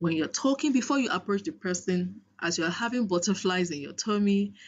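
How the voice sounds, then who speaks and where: Lively intonation runs through this woman's somewhat breathy speech. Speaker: public speaking coach. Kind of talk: workshop presentation. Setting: live-streamed online meeting.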